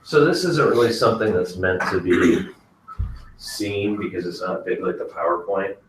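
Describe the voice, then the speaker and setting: A man's voice: sits low, moderate pace, background noise. A man running a casual webinar sound test at the office, joking and playing with silly voices. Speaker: presenter testing a webinar.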